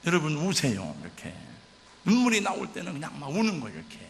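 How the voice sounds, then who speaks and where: A man's voice: fairly high pitch, huge pitch swings, quick pace, gravelly, slight background noise. An older man, a pastor, preaching a sermon in a church with vivid, emotional storytelling. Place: church sanctuary. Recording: church hall reverb.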